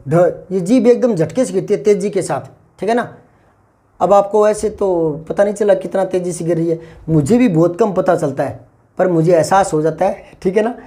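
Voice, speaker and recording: A man's voice: high voice, a little mellow. Older Rajasthani man teaching Hindi. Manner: explanatory, repeats and checks understanding. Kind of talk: classroom lesson on phonetics.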